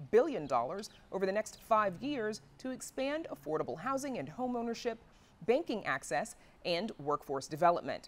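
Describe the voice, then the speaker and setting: At a moderate pace, a woman talks with very wide pitch swings. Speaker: news anchor. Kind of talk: news reading. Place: studio. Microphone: lapel.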